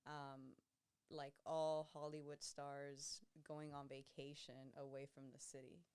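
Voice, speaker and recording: A young woman with a Southern California Latina accent, a guest talking in a relaxed, slangy way and laughing often. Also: low voice, unhurried, clean tone. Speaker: podcast guest. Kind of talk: casual podcast chat.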